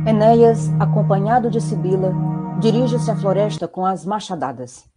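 A woman's voice: medium pitch, normal speed, over loud music. A woman with a Brazilian accent giving scripted dramatic narration as the storyteller of an audio drama.

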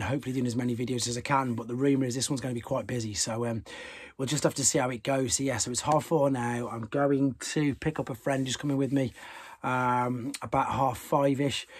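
A man's voice: medium pitch, breathy edge. A man in his thirties with a British accent, talking casually to his phone camera about his day selling toys, upbeat but a little tired. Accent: British English. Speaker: toy seller and YouTuber. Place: bedroom, then car, car park and big indoor exhibition hall. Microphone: phone held at arm's length. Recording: phone audio with hall noise.

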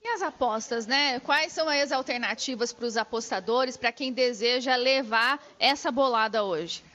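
Middle-aged woman reporter, high voice, chatty live hit from a shop, dull broadcast audio. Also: normal speed, pushed and bright. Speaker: field reporter. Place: lottery shop indoors. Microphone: handheld mic. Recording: muffled broadcast field audio.

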